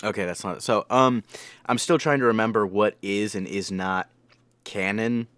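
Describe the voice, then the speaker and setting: Male reaction host, deep voice, casual, rambling, halting, joking, dry recording. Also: a bit bright, dry recording. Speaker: anime reviewer and reaction host.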